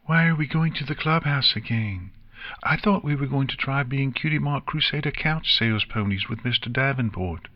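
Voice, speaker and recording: A man's voice: mid-range voice, normal speed, no room sound, muffled recording, voice pushed up, close to an everyday voice. A man voicing a shy, polite and eager little pony filly in a storybook narration. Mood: puzzled.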